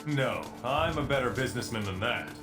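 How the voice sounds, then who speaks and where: A man acts out a scheming, businesslike villain in a video game. He is smugly courteous and talks down with animated, swinging intonation. Music plays behind the echoing voice. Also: mid-range voice, a little fast, natural voice. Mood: smug mockery. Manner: mocking, mannered politeness. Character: smug male villain, businesslike, condescending and scheming.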